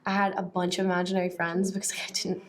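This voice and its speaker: A young woman, an actress in a casual press interview, talking in an animated, rambling way. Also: fairly low pitch, quick pace, a crowd in the background. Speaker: actress guest.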